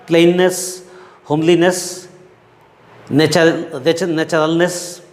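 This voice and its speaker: A male English teacher from Bangladesh reading out lists of synonyms word by word and explaining them to his students. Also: fairly high pitch. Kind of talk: slow vocabulary lesson, reading word lists. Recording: echoey room with long reverb.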